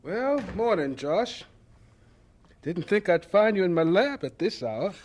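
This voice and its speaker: An actor playing a humble, devout elderly Black scientist in a radio drama. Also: male voice, sits high, big pitch swings, a little slow, darkish tone. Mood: tired, puzzled.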